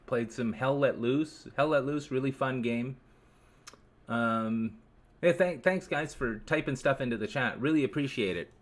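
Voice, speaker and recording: Profane, grumbling streamer man. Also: mid-range voice. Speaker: livestream host. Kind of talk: rambling live-stream chat to viewers.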